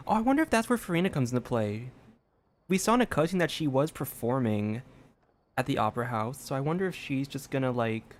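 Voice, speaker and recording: A man's voice: medium pitch, expressive, brisk, a little hiss or hum. A young adult man giving casual, musing gaming commentary, thinking aloud as he streams. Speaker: game streamer.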